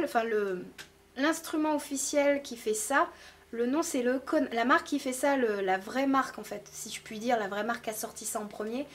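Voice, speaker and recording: A woman chatting casually to camera about beauty products, hesitant and full of fillers. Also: high-pitched. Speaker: beauty vlogger. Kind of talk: casual product haul talk.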